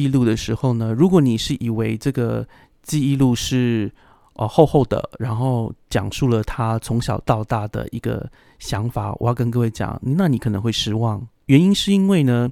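A man's relaxed, dark, mellow voice at medium pitch, with lively intonation and moderate pace, on a very clean recording with a silent background and a dry, close sound with no echo. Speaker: podcast host, book reviewer. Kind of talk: solo book review podcast. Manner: relaxed, with frequent fillers.

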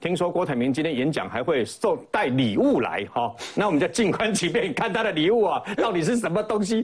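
Over noticeable background noise, a man with a high voice speaks at a fairly quick pace, his loudness very even while his pitch swings very widely. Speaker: veteran journalist, political commentator. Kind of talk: political talk show panel discussion. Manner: animated.

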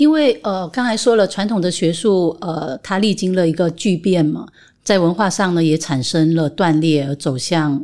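A woman's dark, mellow, fairly low voice at a moderate pace, with ordinary pitch variation. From Malaysia. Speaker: researcher in classical Chinese studies. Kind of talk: interview.

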